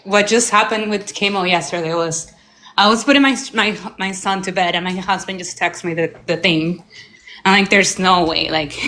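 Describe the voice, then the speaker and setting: A woman's voice: mid-range voice, fairly bright tone. A woman in her thirties from Venezuela, calling in to a livestream and talking emotionally with many fillers. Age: 30s. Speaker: caller. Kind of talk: casual call-in chat.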